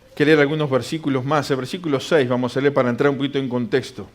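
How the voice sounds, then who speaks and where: A man's voice: mid-range voice, flat delivery, fast talker. A man preaching a sermon in a church, reading scripture aloud and answering his own questions.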